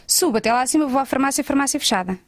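A woman in her thirties with a European Portuguese accent, telling a lively travel story as a guest in a casual chat. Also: high-pitched, rapid-fire, no room sound, clean studio sound. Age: 30s.

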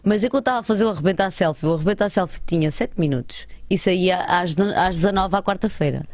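Alentejo-accented woman comic, quick and chatty, dry close sound. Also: fairly low pitch, a little mellow, no room sound. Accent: Alentejo Portuguese. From Alentejo, Portugal. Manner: chatty, acts out quoted voices. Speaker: comedian and TV presenter. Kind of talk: casual interview chat.

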